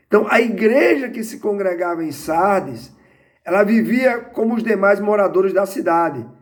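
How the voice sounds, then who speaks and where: In a room with audible echo, a man with a high pitch talks at a moderate pace with lively intonation. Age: 60s. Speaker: pastor. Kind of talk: sermon.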